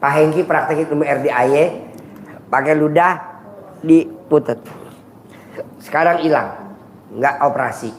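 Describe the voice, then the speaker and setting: Calling listeners "Bos" and ribbing them with crude humor, this host runs a live advice session from an echoey room with faint ambience. He speaks a little slowly in a fairly high voice, pausing often, and the recording carries a little hiss or hum.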